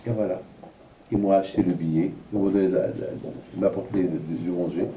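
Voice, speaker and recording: A man with a very mellow, dark voice delivers a Torah lesson, slipping into lively storytelling. He sounds set back from the mic in a roomy hall. The recording is dull and lo-fi. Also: low voice, brisk, slight background noise. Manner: animated storyteller, acting out voices in his anecdotes. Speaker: rabbi teaching a class. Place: large room at an evening lecture. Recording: dull, lo-fi, from a distance in an echoey room.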